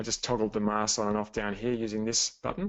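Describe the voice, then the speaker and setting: Moving at a fairly quick pace, a man of medium pitch speaks with an Australian accent. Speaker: motion graphics artist. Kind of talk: tutorial. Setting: webinar.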